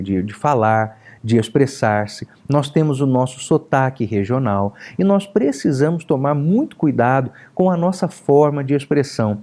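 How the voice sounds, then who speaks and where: A man from São Paulo state, Brazil, with a countryside São Paulo accent, teaching a lesson on preaching as a pastor in a lively, emphatic way. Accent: São Paulo countryside Brazilian Portuguese. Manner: lively and emphatic, with sudden pitch jumps. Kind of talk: recorded lesson.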